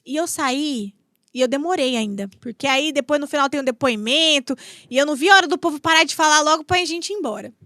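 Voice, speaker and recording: A Brazilian woman in her thirties from São Paulo state speaks with a Brazilian Portuguese accent as a podcast guest telling a personal story. Her high voice is fast, bright and forceful, with lively intonation and no echo. She tells it emotionally, repeating herself and acting out what people said.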